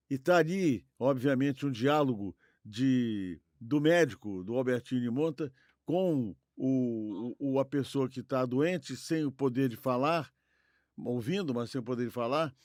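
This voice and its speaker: Recorded with studio quality and no echo, this podcast co-host is a Brazilian man who speaks with a Brazilian Portuguese accent in a mid-range, slightly mellow voice. He chats casually about radio history, wandering, repeating points, and tacking on tag questions to seek agreement.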